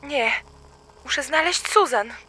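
An actress playing a terrified mother searching her dark house for her young daughter, panicked and pleading. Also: high voice, expressive, takes it slowly, heavily acted. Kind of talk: audio drama acting.

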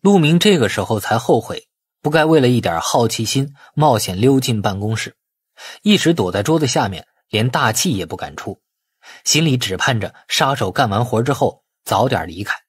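Animated male audiobook narrator, slightly husky. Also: mid-range voice, normal speed, dry recording. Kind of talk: dramatic scripted narration of a suspense novel.

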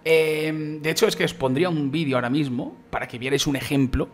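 Fast-talking gamer man. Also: a little high, fairly even intonation. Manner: rambling, repeats himself, addresses viewers as chicos. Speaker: gaming YouTuber. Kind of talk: casual gameplay commentary.

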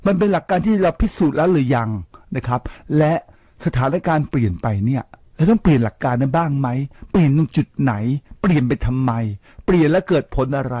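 His voice is fairly high and slightly rough, recorded on a studio microphone with no echo. The older man runs a radio talk show, preaching at listeners in a lively manner through rhetorical questions and occasional English words.

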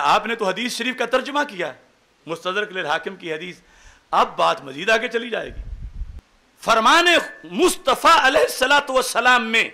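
A middle-aged man giving an emphatic religious lecture to a seated gathering, speaking into a desk mic and rising to shouts on key phrases. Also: sits high. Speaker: religious scholar. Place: studio set with a seated audience.

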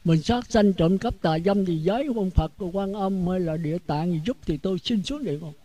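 A man's voice: high voice, moderate pace, dark tone, rough recording. A Buddhist monk with a Southern Vietnamese accent giving a blunt, outspoken sermon, often repeating words as he searches for the next one.

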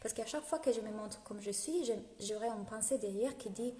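A woman's voice: a little high, brisk, mellow. A woman in her thirties with an Italian accent, a business coach talking live to her followers on a phone held at arm's length at home, laughing often and greeting viewers as she goes. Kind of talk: live video talk to followers. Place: home room indoors. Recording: echoey room with long reverb.

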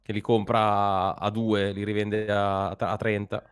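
A man co-hosting a casual live-stream match reaction, chatting in a relaxed way. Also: lowish voice, slow, clean tone. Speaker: co-host on the stream.

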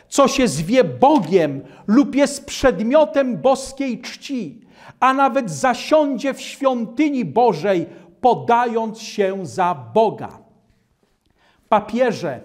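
An older man preaching a studio sermon at a lectern, reading Bible verses aloud in a measured way. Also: sits high.

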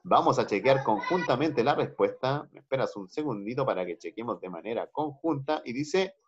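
A patient Chilean man teaches English online over a video call, switching between Spanish and English and repeating phrases, with a Chilean Spanish accent. His medium-pitched voice is animated and moderately paced. The computer mic gives dull, lo-fi call audio with background noise.

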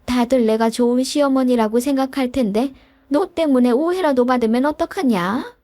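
A woman's voice: sits high, normal speed, dry recording, close to an everyday voice. A woman voicing a stern, reproachful middle-aged mother-in-law in a read story. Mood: scolding. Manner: reproachful, sharp questioning.

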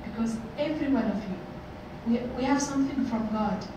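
A woman's voice: fairly high pitch, fairly quick. Earnest middle-aged woman speaking in echoey hall. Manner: earnest, repeats phrases, many fillers. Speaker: workshop speaker. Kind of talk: motivational talk to youth. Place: large hotel conference room. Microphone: far camera. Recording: echoey room from far off, noisy.

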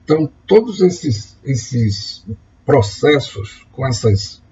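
A man's voice: mid-range voice, sing-song, takes it slowly, mellow, a little hiss or hum. A man giving a lecture over slides, explaining step by step and often restarting words. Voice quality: husky, gravelly. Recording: dull lo-fi recording.

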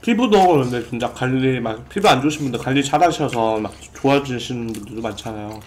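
A man's voice: medium pitch, lively intonation, fast, a little hiss or hum. Young man politely answering stream viewers. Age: young adult. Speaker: mukbang streamer. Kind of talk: casual chat, reading viewer donations. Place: small room indoors at a food-covered table.

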